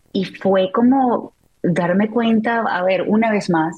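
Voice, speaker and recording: The woman's voice sounds somewhat breathy. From Venezuela. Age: 40s. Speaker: journalist and TV news anchor, author. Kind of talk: interview, personal testimony. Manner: fast.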